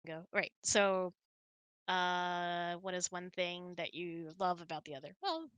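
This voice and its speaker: A woman's voice: fairly low pitch, unhurried, fairly bright tone, clean tone, dry recording, highs cut off. A woman hosting a casual online hangout, chatty and self-deprecating, thinking aloud as she answers audience questions. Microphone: close mic on an online voice chat.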